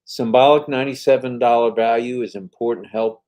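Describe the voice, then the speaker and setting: A man's voice: mid-range voice, steady tone, fairly quick, darkish tone. An older man co-hosting a casual live-stream chat, reading viewer comments aloud in an upbeat, chatty way.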